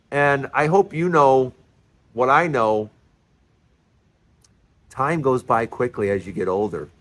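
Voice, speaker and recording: An older man in his sixties holds forth in a passionate monologue. His voice sits a little high for a man. He stumbles over words and repeats them as he presses his point. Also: fairly bright tone. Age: 60s. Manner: emphatic, repeats words, restarts often. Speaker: commentary host.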